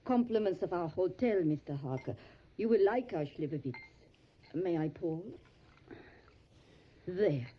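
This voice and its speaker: A woman playing a hospitable, anxious Transylvanian innkeeper in an audio drama, with an Eastern European accent and halting, solicitous phrasing. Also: on the low side, animated, slight background noise. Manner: halting foreign phrasing, tag questions, solicitous. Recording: dull lo-fi audio, faint music. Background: music.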